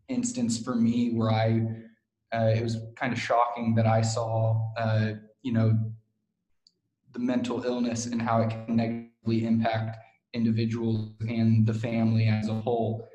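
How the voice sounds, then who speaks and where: A man's voice: on the low side, dark tone. A young man from Kansas with a Midwestern American accent, speaking as an interview guest in a hesitant way with many fillers. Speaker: guest, co-founder. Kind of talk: casual interview talk. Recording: roomy echo.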